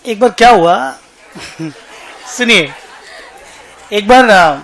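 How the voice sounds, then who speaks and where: A man's voice: sits high, expressive, drawn-out words, creaky, a bit bright, a faint crowd. A male accountancy teacher lecturing a class, dictating notes and telling a chatty joke.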